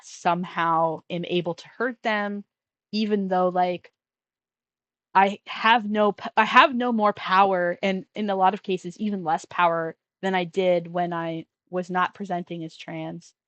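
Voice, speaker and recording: A trans man hosting a casual call-in show, talking in a rambling way with many restarts and trailing off quietly. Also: high-pitched, fairly even intonation, a little slow, no echo, highs cut off. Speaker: podcast host taking call-ins. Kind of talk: casual conversational chat.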